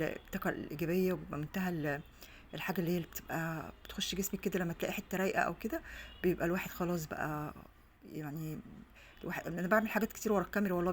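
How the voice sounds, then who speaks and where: Here a middle-aged mother from Egypt talks informally to her vlog audience from inside her home, her voice on the low side. She has an Egyptian Arabic accent and keeps restarting as she rambles. A phone on a stand records her, picking up slight background noise.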